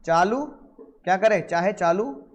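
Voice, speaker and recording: A man with a fairly high voice teaches a law lecture, firing questions at the class. He slips into quick acted exchanges between buyer and seller to make the point. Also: highs cut off, slight background noise. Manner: lively, questions the class and acts out little dialogues.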